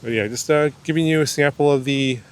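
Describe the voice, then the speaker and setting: A man's voice: medium pitch, a little fast. A man talking outdoors into a wireless clip-on mic with noise reduction processing on, vlogging casually about camera gear with lots of fillers and restarts. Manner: rambling, many fillers and restarts. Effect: noise reduction processing on the mic audio. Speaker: camera reviewer. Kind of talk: casual gear-test vlog. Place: outdoors among trees.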